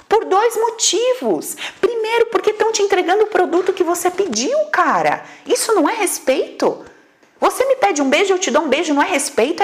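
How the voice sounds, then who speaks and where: Blunt, animated woman lecturing. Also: sits high. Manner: blunt and emphatic, fires rhetorical questions; swears casually. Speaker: therapist teaching a class. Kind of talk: spirited lecture to an audience.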